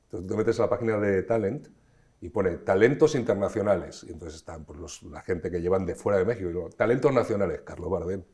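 A middle-aged Spanish actor, a guest in a conversational interview, speaks fast in a low-pitched, darkish voice. He tells stories expansively and keeps restarting his sentences.

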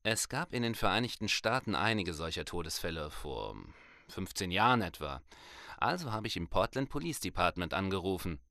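A tired, methodical male detective in an audio drama. His voice is low with a bright, forceful edge. He talks conversationally and wryly, in a very dry recording. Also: sing-song, normal speed, no echo, full character voice. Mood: weary, matter-of-fact. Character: weary male police detective, methodical and dryly wry.

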